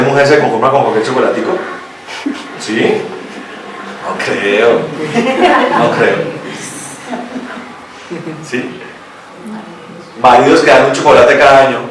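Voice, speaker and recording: A male pastor from Colombia preaching a lively sermon, asking questions of the congregation and reading scripture aloud. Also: mid-range voice, a little hiss or hum. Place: church hall. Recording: echoey church hall, mic from a distance.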